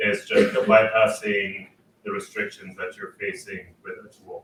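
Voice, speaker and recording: The speaker is a man. He talks at a moderate pace. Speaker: AI education company founder. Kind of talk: panel discussion.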